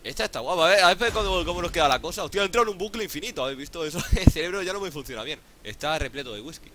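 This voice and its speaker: A man with a Spain Spanish accent doing casual gameplay commentary, excitable, swearing often and pleading out loud. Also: a little high, racing, a little hiss or hum. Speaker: gaming YouTuber.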